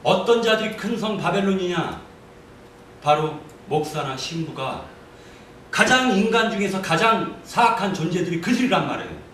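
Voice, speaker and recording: A man delivers a heated church testimony in a fairly high voice, full of condemnation. He sounds far from the mic in a very echoey room. A faint noise sits underneath. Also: sing-song, normal speed, a bit bright. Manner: vehement, denouncing, rising to anger. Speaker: church member giving testimony. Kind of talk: impassioned testimony.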